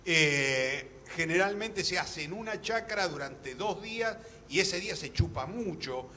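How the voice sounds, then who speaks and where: A man's voice: high-pitched, animated, measured pace, pushed and bright. A man with an Argentine accent speaking as a guest in a public conversation, recounting things to the room. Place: public talk room in a library. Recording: echoey hall, faint noise.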